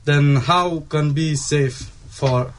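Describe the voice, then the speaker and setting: A man who speaks English as a second language, making an earnest appeal in a group discussion with halting phrasing. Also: a little high. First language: not English. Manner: halting, non-native phrasing. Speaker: asylum seeker activist.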